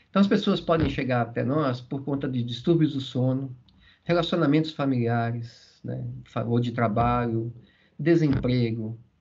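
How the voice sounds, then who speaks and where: A man with medium pitch talks at a moderate pace with ordinary pitch variation in a plain, everyday voice. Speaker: spiritist lecturer. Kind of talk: lecture.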